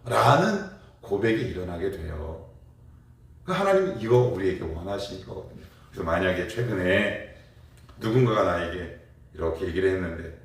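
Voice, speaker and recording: A man preaching a morning prayer sermon as pastor, explaining with rhetorical questions and acting out everyday dialogue. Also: low voice. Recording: very echoey, mic far off.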